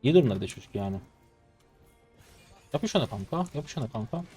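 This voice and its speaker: A man in his twenties, a live streamer giving excitable, mocking gameplay commentary. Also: medium pitch, fast, faint music behind. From Turkey. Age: 20s. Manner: excitable, mocking and trash-talking.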